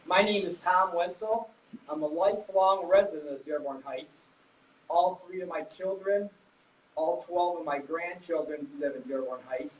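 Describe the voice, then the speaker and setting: A man's voice: a little high, normal speed. An older man giving a candidate statement in a chatty, offhand way, with informal asides. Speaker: council candidate. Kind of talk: opening statement. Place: public meeting hall. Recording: echoey hall, distant mic, faint noise.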